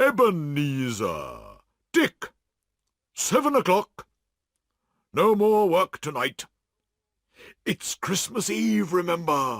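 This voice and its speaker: In a put-on character voice, the speaker moves at a very slow pace with very wide pitch swings and long, frequent pauses. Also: man, high pitch for a man. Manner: happy, hearty.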